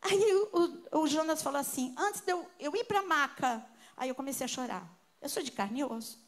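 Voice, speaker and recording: High-voiced Brazilian woman preaching. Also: lively intonation, moderate pace. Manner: emotional storytelling, swinging between soft and loud. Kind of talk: sermon with personal testimony.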